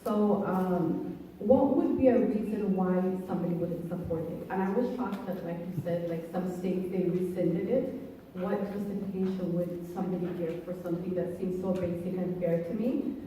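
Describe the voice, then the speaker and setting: A woman asks an earnest, puzzled question from the audience. Her voice is dark and mellow. It sounds far away in a long-ringing church hall. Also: on the low side, normal speed, a little hiss or hum. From Ethiopia. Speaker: audience member asking a question. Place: church hall at a public meeting. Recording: roomy hall, mic far off.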